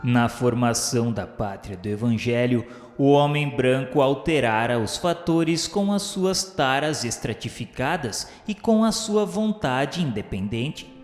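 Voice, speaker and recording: A man with a Brazilian accent reading a solemn radio drama narration in a measured, grandiloquent way. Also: mid-range voice, animated. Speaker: narrator of a religious radio novela. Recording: reverberant hall echo, music underneath. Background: background music.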